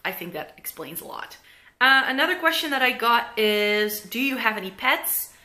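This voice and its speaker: A woman's voice: on the high side, big pitch swings, normal speed, sharp tone. A young Dutch woman with a mixed Dutch and American accent, chatting casually to camera in her living room, rambling with plenty of fillers. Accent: Dutch with some American. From Netherlands. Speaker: beauty vlogger. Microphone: camera in front at close range.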